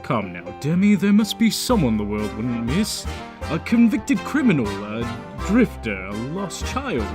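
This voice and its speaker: Audio drama monster, female actor: male, young, haughty and hungry, formal melodramatic delivery, very low, highly animated. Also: unhurried, music in the background, heavily acted. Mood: hungry, pleading. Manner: theatrical, formal, disdainful phrasing.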